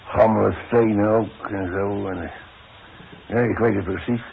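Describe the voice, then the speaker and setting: An actor playing an old retired demolition man in a 1960s radio play, wry and halting, with colloquial working-class speech. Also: on the low side, fairly even intonation, creaky. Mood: reflective. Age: older. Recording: muffled, noisy 1960s radio recording.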